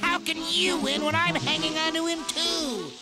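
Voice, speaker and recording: An actor playing a bumbling, boastful furry male monster henchman with a goofy, gravelly voice, who gloats and squabbles. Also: extremely high pitch, fairly even intonation, moderate pace. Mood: squabbling. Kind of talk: 1980s cartoon voice acting. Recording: cartoon soundtrack with loud music.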